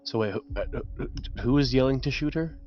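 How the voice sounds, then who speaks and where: A man's voice: mid-range voice, brisk, faint music behind. A man chatting casually as a player in a tabletop game, on dull lo-fi audio.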